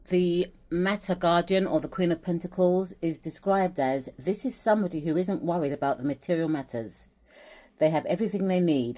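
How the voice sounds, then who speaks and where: A woman from England with a low voice talks through her collection in a relaxed vlog. She rambles a little, doubling back and restarting as she goes. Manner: chatty, rambling with restarts and fillers. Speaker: vlogger. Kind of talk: casual chat, showing dolls and journal.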